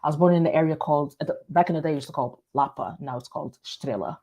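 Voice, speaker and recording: A woman's voice: deep voice, racing, mellow. Chatty woman with a light foreign accent. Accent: light hard-to-place foreign accent with some British touches. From Portugal. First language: Portuguese. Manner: conversational, storytelling, addresses viewers directly. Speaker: marketing strategist for coaches. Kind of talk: business advice talk to camera.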